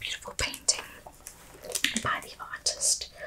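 A woman is whispering in a soft-spoken way. Loud background noise surrounds her voice. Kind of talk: role-play sales consultation. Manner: soft whispered ASMR voice. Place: home room. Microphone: camera far.

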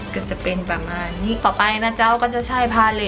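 A woman talks with a Korat accent while clear music plays in the background. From Korat, Northeast Thailand. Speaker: beauty vlogger. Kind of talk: casual makeup tutorial talk to camera. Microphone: phone near.

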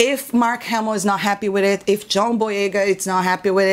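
A woman is talking. Her tone is animated. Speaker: film commentator and YouTuber. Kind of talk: angry rant about a film franchise, addressed to viewers. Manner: exasperated, fed-up, emphatic; animated, with repeated words and stumbles. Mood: frustrated, disappointed. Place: home room.

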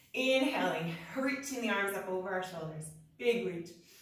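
A woman speaks at a medium pitch and a fairly slow pace. Room echo is audible. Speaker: yoga instructor. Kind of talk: guided yoga class with calm cueing. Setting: online yoga class video. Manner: calm, soothing, measured; slow, steady pacing with pauses. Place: gym. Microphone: camera far.

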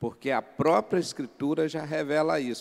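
A man speaking at a fairly slow pace. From rural Brazil. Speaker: church elder. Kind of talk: class discussion comment; audience comment in Bible class discussion. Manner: halting. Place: church. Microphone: handheld.

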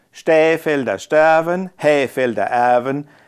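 A man's fairly high voice at a very slow pace against a quiet background. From Palatinate, Germany. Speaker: dialect poet. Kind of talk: dialect poetry reading. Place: home room.

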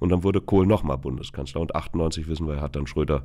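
Over a quiet background, the voice carries vocal fry and ordinary pitch variation at a moderate pace. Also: man. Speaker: journalist and documentary filmmaker; journalist. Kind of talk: interview conversation. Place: studio. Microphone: studio mic.

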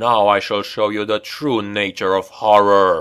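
Putting on a hissing character voice, a man speaks at a moderate pace in a fairly low pitch. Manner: menacing, hissing.

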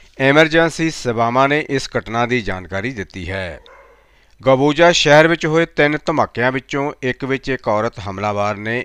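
With a plain, everyday voice, a man of medium pitch speaks with lively intonation in a dry, close sound with no echo and a quiet background. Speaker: news anchor. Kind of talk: news bulletin read aloud in formal Punjabi, steady scripted delivery. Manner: formal, even-paced newsreader tone, clear and unemotional.

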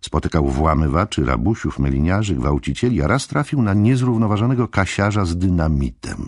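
Delivered at a moderate pace, a man's speech shows very wide pitch swings. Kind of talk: literary audiobook reading, scripted narration. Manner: even, measured, formal narrator's pace.

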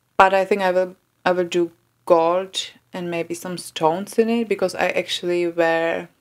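A woman speaks at a medium pitch with a Czech accent. The background is quiet. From Czech Republic. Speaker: fashion vlogger. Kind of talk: try-on haul vlog. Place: home room. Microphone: phone near.

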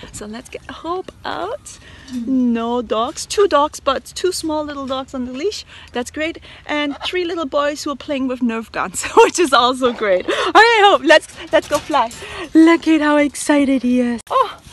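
A woman speaks high and fairly slowly, with lively intonation and big swings in loudness. The sound is dry with no echo, over light background noise. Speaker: pet vlogger. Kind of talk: casual vlog chat. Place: street. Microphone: phone near.

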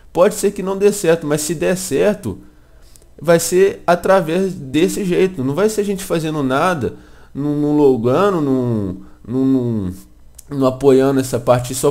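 The man speaks at a fairly slow pace with a fairly high pitch. His pitch swings very widely. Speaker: gaming youtuber and clan leader. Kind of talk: casual vlog update. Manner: animated.

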